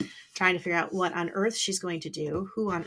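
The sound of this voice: Someone reads in an unforced voice.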